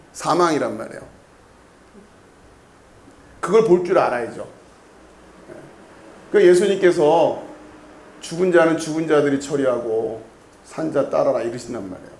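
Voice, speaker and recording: This pastor's voice is on the high side with a darkish tone, captured with a roomy sound in a church sanctuary. Preaching an expository sermon in a conversational style, he keeps asking the congregation questions and repeating key words.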